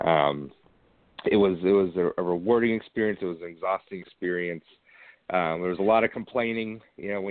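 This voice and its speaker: A man speaks fairly quickly with an American accent and a normal speaking voice. His pitch is fairly low and his intonation fairly even. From Northeastern Pennsylvania (West Pittston). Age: 30s. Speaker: sports writer. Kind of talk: interview. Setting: phone call. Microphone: static on phone line.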